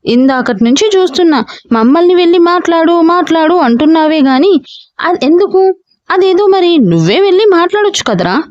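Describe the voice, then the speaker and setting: A woman's voice: sits high, no echo, highs cut off. A woman voicing an angry middle-aged mother who scolds her son in a raised, emotional voice.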